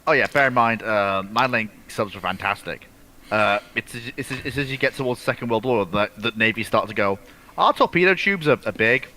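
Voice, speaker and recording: Man, co-host, bright sharp voice, casual history chat, colloquial, repetitive phrasing, faint background noise. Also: mid-range voice, lively intonation, brisk. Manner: colloquial, repeats phrases, acts out imagined remarks. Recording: clearly noisy background.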